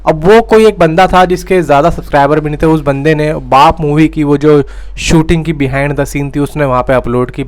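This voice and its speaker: A man's voice: on the high side, normal speed. A young man giving a casual, insistent film news update to his viewers, repeating himself and calling them brothers and friends. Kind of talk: casual direct-to-camera update.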